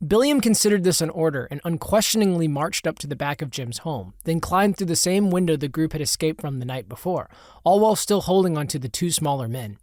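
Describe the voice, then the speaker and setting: A man reading his own comic audiobook in an even, matter-of-fact way. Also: a little high, fairly quick, no echo, studio quality. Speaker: author and audiobook narrator. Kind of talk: scripted audiobook narration.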